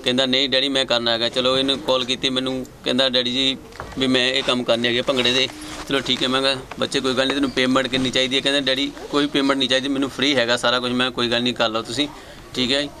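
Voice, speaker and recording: Fast-talking Punjabi father, bright voice. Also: medium pitch, level tone, slight background noise. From Punjab, India. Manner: repetitive, conversational, quotes himself and his son. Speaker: father of a young dancer. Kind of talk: recounting family story.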